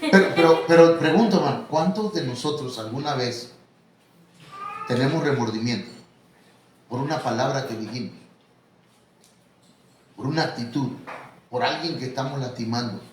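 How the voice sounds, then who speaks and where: Preaching in a church hall, a Mexican Spanish–accented pastor tells stories in a conversational manner and calls his listeners "hermano." His voice sits at medium pitch with a normal speed, broken up by long pauses. The sound is echoey and distant, with a faint background noise.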